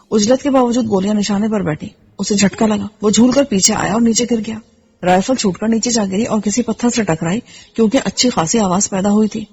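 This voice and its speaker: A woman reading a first-person action novel aloud in steady storytelling narration. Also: mid-range voice, husky. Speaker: audiobook narrator. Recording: slightly dull with faint music.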